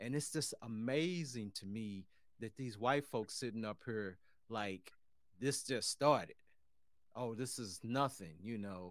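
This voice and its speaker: A man speaks at a fairly slow pace in a normal speaking voice. His pitch is medium with ordinary variation. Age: 60s. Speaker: guest, friend of the host. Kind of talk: casual discussion.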